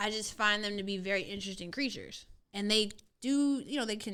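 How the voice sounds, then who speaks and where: With a Texan accent, a woman talks at a fairly quick pace in a fairly high, bright, sharp voice with ordinary pitch variation. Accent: Texas Southern. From Texas, Dallas. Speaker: tattoo artist and music artist. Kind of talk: casual interview.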